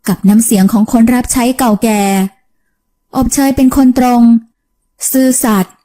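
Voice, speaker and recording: A woman reads a romance novel aloud as an audiobook narrator. Her telling is gentle and even, her voice mellow and a little high. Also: moderate pace.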